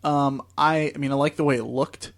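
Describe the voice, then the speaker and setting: A man's voice: a little high, steady tone, normal speed. A young man co-hosting a podcast, telling long easygoing stories in casual chat. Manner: easygoing, rambling storyteller. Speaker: podcast co-host. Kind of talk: casual chat about video games.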